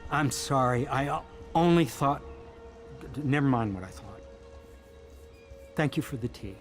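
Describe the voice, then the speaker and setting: Male actor as timid inventor, slow pace, halting, socially clumsy, soft music behind, video game dialogue. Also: mid-range voice, animated, close to an everyday voice. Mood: embarrassed. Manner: hesitant, stammering.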